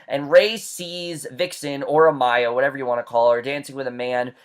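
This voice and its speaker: A man's voice: medium pitch, fairly even intonation, normal speed. A man giving a casual recap and review of a TV episode, chatty and full of fillers and restarts.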